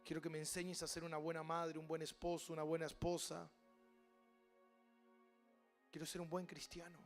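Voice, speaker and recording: A man with an Argentine Spanish accent, a pastor preaching a sermon with passion, mimicking voices and building to loud cries. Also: fairly high pitch, completely flat delivery, normal speed, soft background music.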